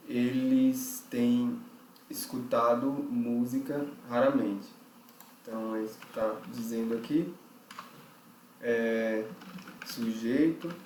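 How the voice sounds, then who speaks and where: A man teaching an English grammar lesson, explaining each step slowly and often checking with "right?". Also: medium pitch, darkish tone, reverberant, a little hiss or hum, low-quality recording. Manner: explains step by step, with frequent fillers and checks like "certo?". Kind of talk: recorded online lesson.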